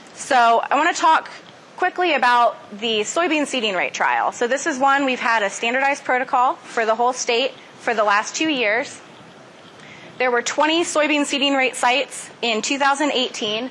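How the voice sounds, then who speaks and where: Ordinary pitch variation and very even loudness, with noticeable background noise. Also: woman, high pitch for a woman. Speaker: agricultural extension specialist. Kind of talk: conference presentation. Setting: conference stage with audience. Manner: fast; stumbling, self-correcting.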